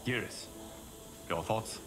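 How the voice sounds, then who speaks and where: A man playing a solemn, wise protector-god in a video game, with a formal, grave, measured delivery. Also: music in the background, close to an everyday voice. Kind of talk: dramatic video game acting.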